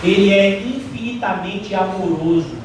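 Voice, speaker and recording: A man preaching a sermon as pastor, animated, mimicking the voices of doubters, recorded in a church hall from a distance. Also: sits high, unhurried, noisy background. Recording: echoey hall, heard from a distance.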